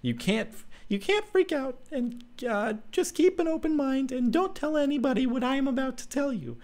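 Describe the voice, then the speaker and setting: An earnest young heroine with hidden powers speaks in a high, lifted voice, as a man reading a fan story puts her on. Her lines come out raised and a little strained, read plainly from the page. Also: expressive, normal speed, a little mellow. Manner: raised falsetto-ish pitch for her lines.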